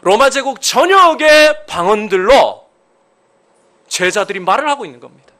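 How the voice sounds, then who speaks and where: A man preaching a sermon as a pastor, emphatic, with sudden rises in pitch and loudness and questions put to the congregation. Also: lively intonation, moderate pace.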